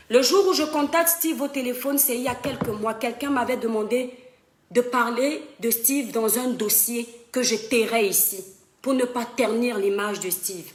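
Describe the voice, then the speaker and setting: A woman's voice: fairly high pitch, echoey room. Impassioned woman on a live stream. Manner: impassioned, addresses viewers as "mes étoiles". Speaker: social media live streamer. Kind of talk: emphatic Facebook live monologue. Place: home in western France.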